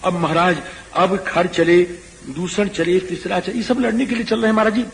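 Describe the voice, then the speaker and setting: A man giving a devotional scripture discourse. He talks in an animated way and chants verses slowly. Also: sits high, creaky. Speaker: religious storyteller. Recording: echoey hall with faint noise.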